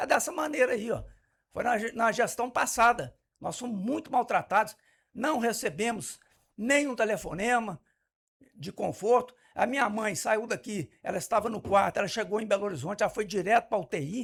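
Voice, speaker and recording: This man's voice sits high in pitch. He speaks at a moderate pace with ordinary pitch variation. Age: 60s. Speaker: interviewee, grieving son. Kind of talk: interview.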